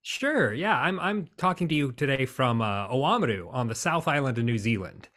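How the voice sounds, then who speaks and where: A man's voice: mid-range voice, expressive, moderate pace, fairly bright tone. Upbeat american guy on a podcast call, talks a lot, laughs easy. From United States. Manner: cheerful, chatty, laughs easily. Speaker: guest. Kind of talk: casual interview chat.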